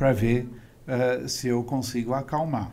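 There is audible room echo as a man talks. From Brazil, raised in English-speaking expat community and English boarding school. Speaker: image consultant and art teacher. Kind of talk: interview.

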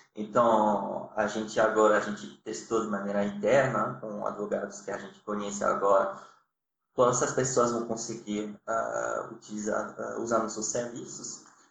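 With a French accent, a man speaks at a fairly low pitch with ordinary pitch variation, and room echo is audible. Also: moderate pace. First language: French (speaking Portuguese). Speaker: legal tech founder, lawyer. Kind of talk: interview. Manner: halting.

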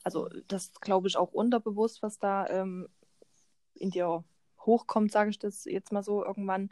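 A woman's medium-pitched voice, dark and mellow, with fairly even intonation, long, frequent pauses and a dry, close sound with no echo. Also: moderate pace. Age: 20s. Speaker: podcast co-host, office worker. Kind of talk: casual chat.

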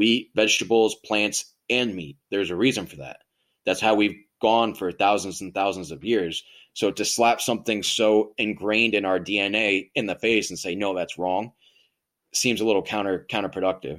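On a very clean recording with a silent background, a man with an ordinary speaking voice talks at a moderate pace with a fairly low pitch and ordinary pitch variation. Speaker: podcast co-host. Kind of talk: casual chat.

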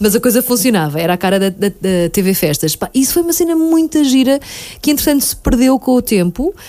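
With a high pitch, a woman talks in very wide pitch swings. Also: fairly quick pace. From Portugal, Pinhal Novo (Setúbal area). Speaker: radio presenter and DJ. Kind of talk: casual interview. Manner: chatty, relaxed.

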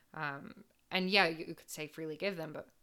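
With an American accent, a woman speaks at a moderate pace in a very deep, low pitch, her monotone, flat delivery marked by vocal fry and a bright, sharp tone. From Michigan Upper Peninsula, US. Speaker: filmmaker. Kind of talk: casual chat.

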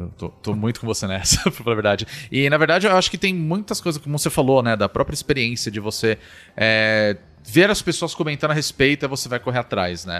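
Over a quiet background, a man speaks at a fairly quick pace and a medium pitch, with very wide pitch swings. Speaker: podcast co-host. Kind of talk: casual chat.

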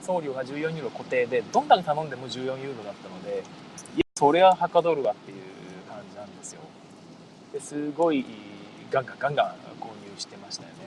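Over noticeable background noise, the speaker goes very fast with lively intonation, big swings in loudness, and long, frequent pauses. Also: man, fairly high pitch for a man. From Fukui, Japan. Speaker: podcast host. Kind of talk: casual solo podcast talk.

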